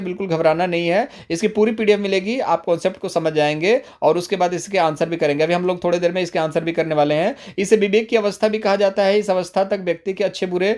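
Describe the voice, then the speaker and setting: This explanatory exam-prep lecture comes from a man whose voice is high with a darkish tone. He walks through things step by step, speaks straight to the viewers, and keeps restating and rephrasing what he says.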